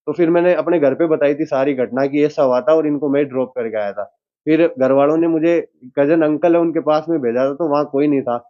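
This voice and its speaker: A young man from Rajasthan, a driver telling a reporter what happened, in a plain and halting way. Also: on the high side. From Rajasthan, India. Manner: plain, halting retelling with quoted dialogue. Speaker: taxi driver and witness. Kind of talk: news interview account. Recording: dull lo-fi sound.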